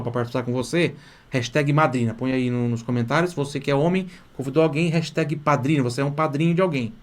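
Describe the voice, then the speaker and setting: Fast-talking enthusiastic Brazilian teacher. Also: male voice, medium pitch. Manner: enthusiastic, coaxing, checks in with the audience often. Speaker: language teacher and course host. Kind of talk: live online class.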